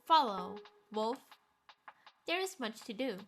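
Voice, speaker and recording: A woman's voice: on the high side, very animated, slow, music in the background, full character voice. A woman voicing a weary, resigned girl from a gothic mansion in a visual novel, speaking curtly. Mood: commanding.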